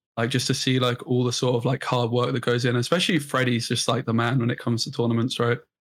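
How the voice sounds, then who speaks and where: A man with an English accent talks very fast at a medium pitch, his intonation monotone and flat. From England. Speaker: esports caster. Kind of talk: casual chat.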